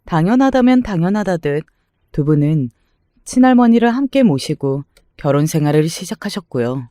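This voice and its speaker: A man narrating a true-life family story in a measured, somber way. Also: fairly high pitch, mellow, dry recording, studio quality.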